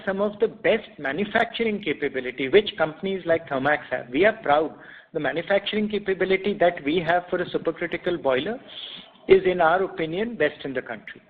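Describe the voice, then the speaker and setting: A man with an Indian accent, a company executive answering questions on an earnings call in a deliberate, explanatory way. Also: on the high side. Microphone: conference call line. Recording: narrow, tinny conference phone line.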